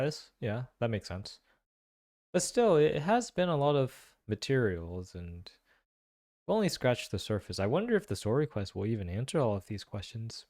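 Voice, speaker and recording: A man's voice: fairly low pitch, darkish tone. A man giving casual game reaction and analysis commentary, musing aloud with lots of questions and informal slang. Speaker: reaction video host.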